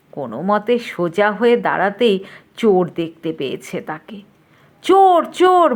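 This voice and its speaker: A woman narrating a short story aloud, lively, lifting her voice for the characters. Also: mid-range voice. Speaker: story reader.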